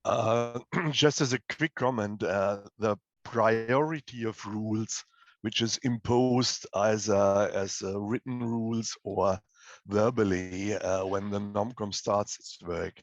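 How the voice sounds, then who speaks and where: A man commenting at an online forum over a video call, speaking in a slow, halting way as he searches for words. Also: on the low side, steady tone, no room sound, muffled recording. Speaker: forum participant. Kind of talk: meeting remarks.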